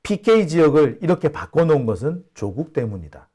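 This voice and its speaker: A man's voice: a little high, a little fast, husky. A middle-aged man from Busan hosting casual political commentary, telling stories and affirming himself with short "ye" interjections. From Busan, South Korea. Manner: animated, storytelling, frequent "ye" affirmations. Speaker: YouTube channel host.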